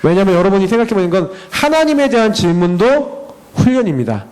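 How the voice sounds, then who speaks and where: A man's voice: high-pitched, a little fast, poor audio. A man in his thirties, a parent giving a slide presentation at a church education session, telling stories about his children and acting out their talk. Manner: animated storytelling, acting out dialogue with his children.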